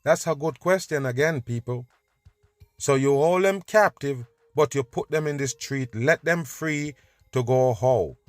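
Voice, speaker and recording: A man's voice: mid-range voice, measured pace, dry recording, faint music behind. A male host reacting to video clips with emphatic, scornful commentary, urging listeners to pay attention.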